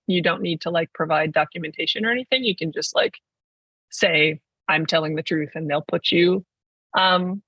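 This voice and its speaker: A man's voice: high-pitched, no echo, dull audio. A 21-year-old trans man and podcast guest, chatting casually and rambling with lots of "like.". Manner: rambling, heavy use of "like". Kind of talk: casual conversation.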